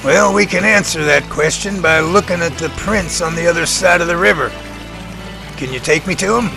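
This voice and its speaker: A man acting as a confident, methodical professor in an audio drama, explaining things precisely and deliberately. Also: fairly high pitch, gravelly, music in the background, poor audio. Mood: focused. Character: confident, methodical male professor tracking a sasquatch.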